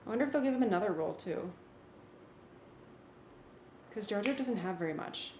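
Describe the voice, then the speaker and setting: A woman's voice: medium pitch, animated, fairly quick, warm tone, slight background noise. Casual woman in an echoey room. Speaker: musician at a rehearsal. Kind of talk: casual working conversation.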